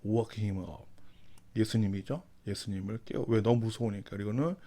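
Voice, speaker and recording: A man teaching English through Bible verses. He reads each verse very slowly, then explains it, repeating and rephrasing the key words. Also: fairly low pitch, steady tone, mellow.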